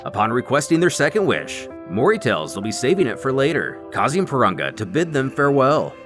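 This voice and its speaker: A man's voice: medium pitch, big pitch swings, fairly quick, music in the background. A man delivering scripted story recap narration in a dramatic storytelling manner, with wry asides.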